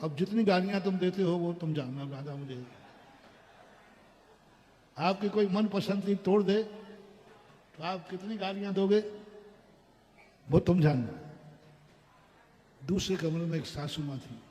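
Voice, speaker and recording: A man preaching a sermon, telling a story and addressing the audience directly in an animated way. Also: high voice, a little slow, long pauses, long reverb tail. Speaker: Jain preacher.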